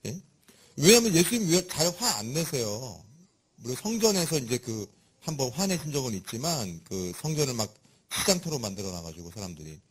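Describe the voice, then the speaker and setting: A man preaching a sermon in a lively, conversational and humorous way, with a husky voice. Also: medium pitch, a little fast, a little hiss or hum.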